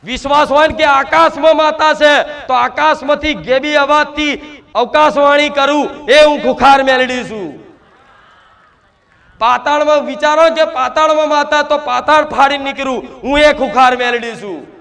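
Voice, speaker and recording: A man, speaking loudly as a spirit medium in a trance sermon to devotees, full of repetition and rhetorical questions. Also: extremely high pitch, normal speed, creaky. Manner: loud, shouting, declamatory.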